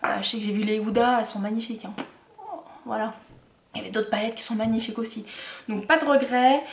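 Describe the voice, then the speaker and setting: Lady chatting through a haul, lots of euh and restarts, kinda high voice, echoey room. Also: steady tone, fast talker, a little hiss or hum. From France. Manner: chatty, many fillers and restarts. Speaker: vlogger. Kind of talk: casual haul vlog.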